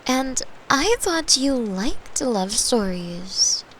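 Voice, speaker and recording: A caring young girlfriend, acted by a woman, murmurs close to the mic in an ASMR bedtime roleplay. Her voice sits a little high and moves at a very slow, soothing pace, playful and tender, dipping into whispers. There is audible noise behind her. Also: very animated, exaggerated voice, low-quality recording. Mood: mock hurt, playful. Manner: gentle, soothing, teasing, unhurried, slipping into whispers. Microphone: close microphone, made for headphones.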